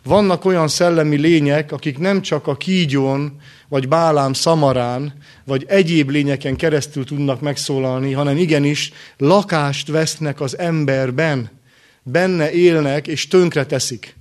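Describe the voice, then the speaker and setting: A man preaching a sermon in short, earnest phrases with rhetorical questions and pauses. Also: fairly high pitch, fairly even intonation, darkish tone.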